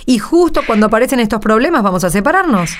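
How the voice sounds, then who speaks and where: A woman's voice: a little high, big pitch swings, quick pace. An actress playing a conciliatory woman from a workshop group in a radio play, with a Rioplatense accent. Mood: placating. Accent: Rioplatense Spanish. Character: conciliatory woman, novice buyer and seller for workshop. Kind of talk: radio play acting, conversational.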